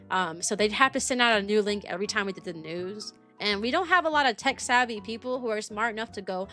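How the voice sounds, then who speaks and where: Female streamer, high voice, rambling casual talk, music playing behind her. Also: fairly bright tone. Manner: rambling, repeats phrases for emphasis. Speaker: livestream host; kindergarten teacher. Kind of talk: casual livestream chat. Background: background music.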